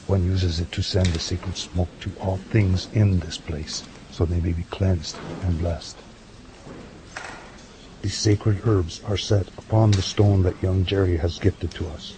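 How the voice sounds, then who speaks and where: Man playing a deep-voiced, solemn medicine man. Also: noisy background. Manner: measured, ceremonial, speaks in riddles. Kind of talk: audio drama acting.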